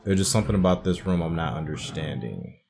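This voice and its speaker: Low-voiced man musing through a game. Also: expressive, quick pace, a little mellow, slight background noise. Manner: musing, thinking aloud. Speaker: gamer narrating a playthrough. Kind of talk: casual let's play commentary.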